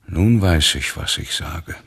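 Old Jewish teacher for radio drama: deep, creaky, despairing and defiant. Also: male voice, expressive, slow pace, fairly bright tone, heavily acted. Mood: weary, resigned. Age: 60s or older. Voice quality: gravelly, husky. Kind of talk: radio play acting.

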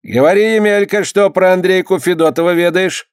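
A man's voice: sits high, a little fast, clean tone, no room sound, studio quality, pitched above the performer's own voice, close to an everyday voice. A man voicing a stern, commanding old-time Russian clerk who barks his questions in an audiobook. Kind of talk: audiobook character voice.

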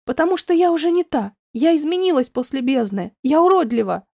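A woman's voice: high-pitched, animated, moderate pace, darkish tone, no echo, studio quality. A woman playing a distraught young woman near tears. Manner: pleading, raised, tearful outbursts.

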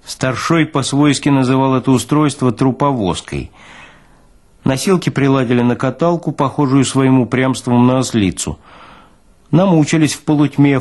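A man's voice: mid-range voice, darkish tone. A man narrating literary fiction expressively, as in an audiobook.

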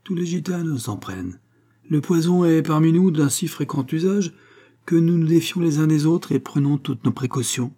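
A man's voice: fairly high pitch, animated, normal speed, dark tone, voice pushed up. A man reading aloud voices a passionate, jealous young gypsy woman in a raised voice. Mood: earnest.

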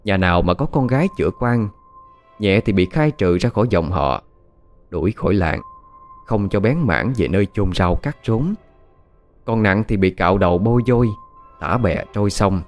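A man narrating an audio story in a measured, expressive way. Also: lowish voice. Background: faint background music.

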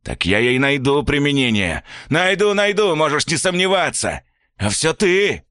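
A man playing a furious shouting father. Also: very animated, a little slow, no room sound, clean studio sound. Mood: enraged. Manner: shouting, scolding, high and strained. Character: furious middle-aged father, loud and coarse.

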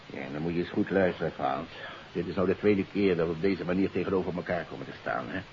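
An actor playing a threatening, suspicious crook in a 1950s radio drama, speaking in an accusing, interrogating manner. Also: male voice, sits low, quick pace. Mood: impatient, accusing. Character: threatening, suspicious male crook, father of missing daughter. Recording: muffled hissy 1950s radio recording.

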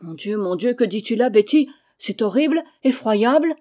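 A woman reading aloud, voicing a miserly, sharp-tongued old cousin who scolds her servant. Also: medium pitch, expressive, moderate pace, natural voice. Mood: frightened. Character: shrill miserly old cousin, harsh mistress.

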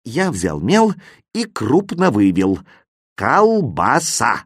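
A man giving expressive first-person storybook narration in a dry, close recording. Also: mid-range voice, normal speed, slightly rough, no echo. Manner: lively first-person telling, voicing a boy. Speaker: audiobook narrator.

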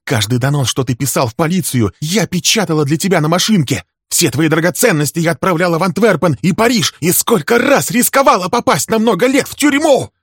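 A scorned, furious wife hurls accusations in a high, shrill, cutting voice, as a male reader of a crime story puts her on. The sound is dry and close, with no room around it. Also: a little fast, breathy edge, no room sound, natural voice. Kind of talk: dramatic audiobook reading.

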